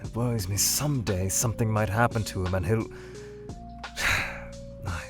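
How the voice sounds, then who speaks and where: A man playing a weary, scholarly monster scientist trapped in a void, speaking in a measured, halting, brooding way that trails off, in a fan audio drama. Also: fairly low pitch, music in the background, natural voice. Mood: worried, somber. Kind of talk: fan audio drama, in-character answers to questions.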